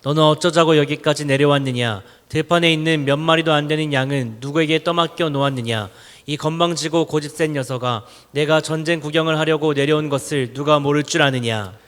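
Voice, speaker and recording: A man reading a passage of scripture aloud, in a steady, even manner. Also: a little high, brisk. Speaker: scripture reader. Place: church education hall. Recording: reverberant church hall.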